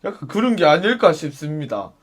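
A man's voice: fairly high pitch, big pitch swings, brisk, slightly rough. Man giving dry comedic asides. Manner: dry, matter-of-fact asides. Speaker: comedy creator. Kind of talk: casual comedic commentary.

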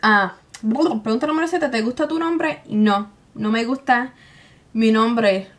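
A woman's voice: a little high, measured pace. A young woman with a Puerto Rican Spanish accent chats casually to camera, informal and colloquial, dropping in English words. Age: young adult. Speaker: beauty vlogger. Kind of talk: casual chat to camera, answering tag questions. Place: small room at home, indoors.

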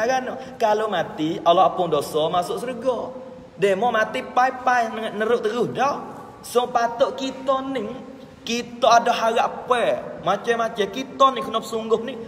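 Male religious teacher, Patani Malay accent, pitched high, preaching through an echoey hall PA. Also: slight background noise. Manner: preaching with sudden drops to low murmured asides. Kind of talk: sermon. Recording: echoey hall with faint ambience.

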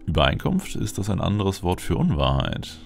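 A man's voice: deep voice, sing-song, normal speed, gravelly. A man doing casual roleplay commentary on a game as he plays, musing aloud and asking himself questions. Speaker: let's player. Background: game music.

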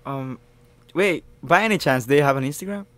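A man's voice: on the high side, a little fast, no echo. A young man from the Philippines chatting shyly and apologetically on a video call between songs. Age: young adult. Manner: soft-spoken, bashful, apologetic. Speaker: street-style singer on video chat. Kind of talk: casual chat between songs. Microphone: computer mic on a video call. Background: acoustic guitar playing.

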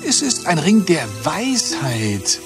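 An actor playing a loyal, earnest man in an animated fairy tale, speaking emphatically. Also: medium pitch, slow, music in the background. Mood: realizing, thoughtful. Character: loyal, earnest bearded man, a king's devoted friend.

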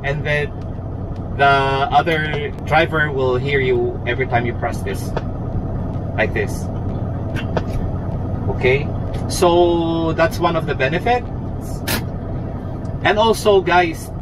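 A middle-aged man giving a casual, halting and repetitive product review to camera from inside a truck cab. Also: fairly high pitch, background noise.

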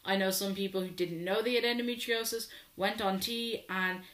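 A man's voice: sits high, steady tone, normal speed, fairly bright tone. A sixteen-year-old trans man, chatting candidly to his laptop camera from a small bedroom, with lots of fillers. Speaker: vlogger. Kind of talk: casual update to camera. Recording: echoey small room.

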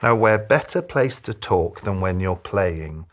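A man in his fifties giving advice to camera as a children's author, speaking emphatically like a storyteller, with deliberate pauses. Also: low voice, lively intonation. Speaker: children's author giving reading tips to parents. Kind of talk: direct-to-camera advice talk, presentational. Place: small furnished room, indoors.

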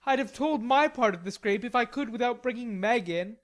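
Woman as an indignant, blustering teenage boy, raised pitch. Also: animated, a little fast, lightly acted. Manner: petulant, blustering. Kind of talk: storybook character dialogue.

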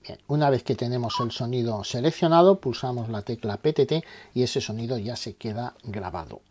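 Against a noisy background, a man with a medium-pitched voice speaks a little fast as he walks through a step-by-step tutorial. He teaches in a didactic way, explaining terms and posing questions that he then answers himself.

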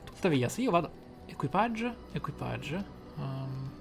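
Higher-pitched man commentating a game. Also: moderate pace, creaky. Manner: excitable, thinking aloud. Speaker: gaming channel host. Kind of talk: casual playthrough commentary. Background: game music.

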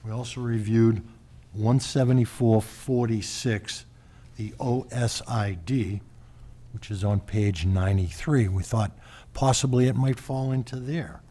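A man's voice: medium pitch, unhurried, mellow. A man explaining findings formally as a board member at a public meeting in a small room.

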